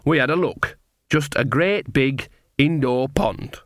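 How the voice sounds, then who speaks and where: A man's voice: medium pitch, takes it slowly, no room sound, studio quality, lightly acted. A man voicing a cheerful, earthy old witch woman with folksy grammar in an audiobook. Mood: mischievous. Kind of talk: audiobook character acting.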